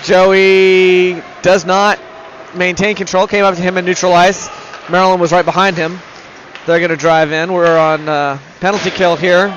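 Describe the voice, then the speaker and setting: Noticeable background noise beneath monotone, flat intonation. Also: man, high pitch for a man. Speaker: amateur youth hockey commentator. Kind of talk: live commentary. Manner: fast.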